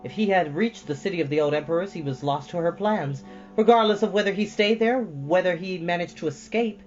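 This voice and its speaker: A man reading a storybook aloud as host, with expressive, deliberately stressed phrasing. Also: sits high. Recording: dull lo-fi sound with music behind.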